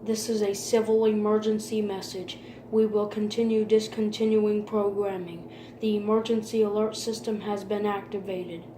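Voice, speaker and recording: A woman's voice: medium pitch, moderate pace. A woman reading a scripted emergency broadcast announcement in a formal, impersonal manner. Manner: formal, impersonal, flat delivery. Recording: roomy echo with faint background noise.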